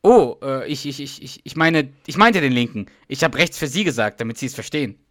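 A man's voice: mid-range voice, animated, fairly quick, a bit bright, no echo, studio quality, natural voice. A man reading the part of a flustered husband who faked a heart attack, in a podcast read-through of a sitcom scene. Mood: defensive.

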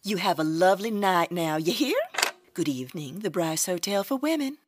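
A woman's voice: fairly low pitch, lively intonation, moderate pace, a little hiss or hum, lightly acted. A woman playing a gossipy, sugary hotel operator with a drawling Southern US accent in an old-time radio comedy. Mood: sweetly gossipy. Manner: drawling, coy, theatrical.

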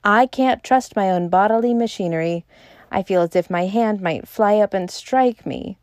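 A woman's voice: medium pitch, normal speed, darkish tone, dry recording, clean studio sound, close to an everyday voice. A woman reading aloud and voicing a shaken, despairing male professor.

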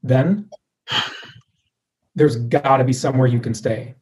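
A calm, awkward ex-lover trying to keep the peace, as a man reads him in a comedy table read. His voice sits at an ordinary mid pitch, level and placating. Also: measured pace, natural voice.

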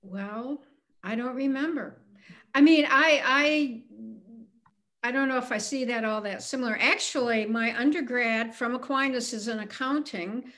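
A seventy-year-old woman talks candidly about her life as a guest in an interview. Her voice sits a touch high, and she speaks in a plain, unfussy, self-deprecating way. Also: measured pace, a bit bright. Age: 70s. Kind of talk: casual interview conversation.

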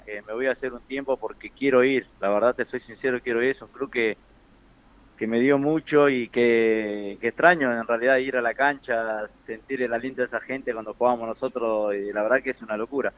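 Guest: male coach, mid pitch, halting, muffled lo-fi line. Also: steady tone. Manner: halting, with repeated words and fillers. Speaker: football coach and former player. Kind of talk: radio interview.

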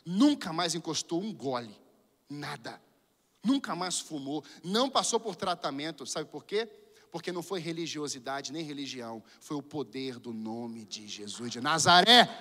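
Brazilian male pastor, high-pitched and bright, preaching in a reverberant church hall, swinging from hushed to fervent. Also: animated, normal speed. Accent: Brazilian Portuguese. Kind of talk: sermon.

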